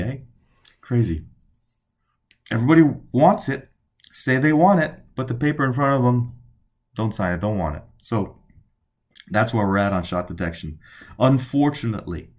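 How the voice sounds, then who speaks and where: A middle-aged man with a somewhat low voice reads questions from viewers aloud and answers each one on the spot. He talks loosely and cheerfully and throws in jokes between the answers. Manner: reads out viewer questions and answers them off the cuff, jokey and upbeat. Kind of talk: casual livestream Q&A.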